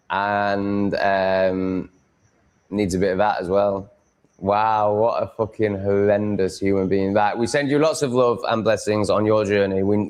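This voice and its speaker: A man with a Yorkshire accent chatting casually as a livestream host, rambling in a blunt, crude, sweary way. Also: fairly low pitch. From Yorkshire, England.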